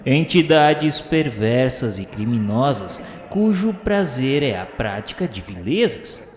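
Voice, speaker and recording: A man's voice: mid-range voice, very animated, slow pace, slight background noise. A man narrating a radio drama in a solemn, dramatic way. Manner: solemn, dramatic, rising in emphasis. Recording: reverberant hall sound with faint music.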